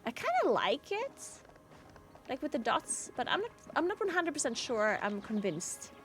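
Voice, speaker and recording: Woman, game streamer, fairly high voice, relaxed chatty delivery, lots of fillers. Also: moderate pace, soft background music. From South Tyrol, Italy. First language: German. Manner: chatty, answers chat, frequent "like" fillers. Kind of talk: casual chat while gaming.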